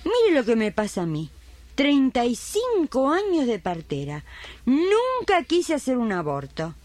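A woman's voice: sits high, huge pitch swings, unhurried, a little mellow, no echo, exaggerated voice. A woman playing an elderly retired midwife, devout and plain-spoken, in a radio drama. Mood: indignant. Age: older.

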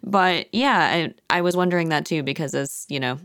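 A woman in her thirties hosts an interview over a video call, her voice on the low side. The sound is dry and close. She talks chattily and breaks into laughter easily. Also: moderate pace, a bit bright, clean tone, no room sound. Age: 30s. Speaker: podcast host. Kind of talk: casual interview chat.

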